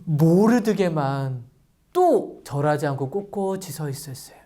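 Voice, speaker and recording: Children's pastor, woman, animated storyteller who quizzes the kids. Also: low voice, measured pace. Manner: lively, addresses children directly with questions.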